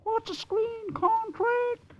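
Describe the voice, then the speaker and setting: An actor playing a simple young hillbilly in a vintage radio drama, talking slowly and puzzled. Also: male voice, very high voice, fairly even intonation, a bit bright, lo-fi sound, slight background noise, heavily acted. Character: dim, gentle young male hillbilly.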